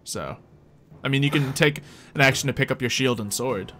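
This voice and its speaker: A man's voice: medium pitch, moderate pace, fairly bright tone. A man speaking casually as the game master of a tabletop roleplaying game. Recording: music playing behind the voice. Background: background music.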